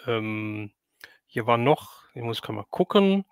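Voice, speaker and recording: A man with a mid-pitched voice and a very dry, close sound. He hosts in an informal chatty style, thinking aloud as he moves between remarks and questions. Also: lively intonation, slow pace, smooth, no echo. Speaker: livestream host interviewer. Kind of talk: casual interview chat.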